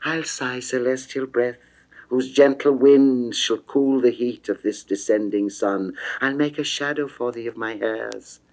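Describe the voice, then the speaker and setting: A man's voice: mid-range voice, steady tone, a little mellow, natural voice, rough recording. A man voicing an ardent, coaxing and imperious goddess of love in a theatrical classical verse reading from the 1960s. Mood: wounded, tender. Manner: theatrical, caressing, drawn-out verse delivery. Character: seductive, lovesick goddess Venus, ardent, coaxing, imperious female.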